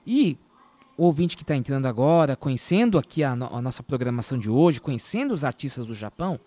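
Lively male radio host. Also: medium pitch, quick pace, no echo. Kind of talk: casual radio chat.

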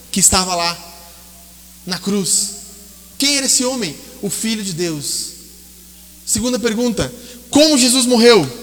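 A man preaching a sermon, telling stories dramatically and dropping low and soft for quoted voices. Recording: long reverb hall.

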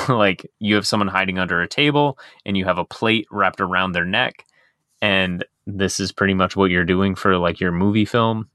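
Man, very low pitch, bright forceful timbre, casual rambling talk. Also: moderate pace, no room sound, studio quality. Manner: rambling, heavy on filler words. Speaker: podcast co-host. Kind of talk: casual chat.

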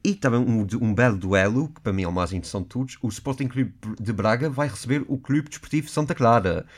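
Fast-talking man co-hosting radio. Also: mid-range voice, animated. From Azores. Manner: quick, playful, self-joking. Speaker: radio co-host. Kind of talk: casual radio chat.

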